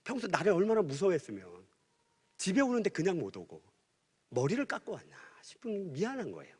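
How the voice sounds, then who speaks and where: Animated, bright-voiced male preacher in a reverberant hall. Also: high voice, fairly quick, husky. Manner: animated, swings from hushed storytelling to loud outbursts. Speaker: pastor. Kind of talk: sermon with storytelling.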